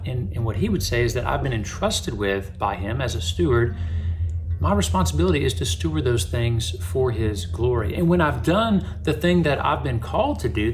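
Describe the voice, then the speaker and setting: Earnest pastor giving a casual devotional. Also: male voice, mid-range voice, a little hiss or hum. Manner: earnest, conversational, many restarts and fillers. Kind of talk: devotional sermon to camera. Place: small home office with bookshelves.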